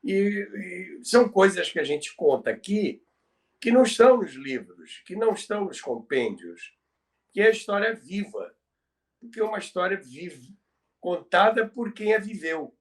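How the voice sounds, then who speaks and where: An older Brazilian man with a fairly high voice talks in a conversational, didactic manner. He stresses his points by repeating phrases. He sounds set back from the microphone. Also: lively intonation, moderate pace. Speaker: co-host, former radio professional. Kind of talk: conversational talk about radio history. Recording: distant from the microphone.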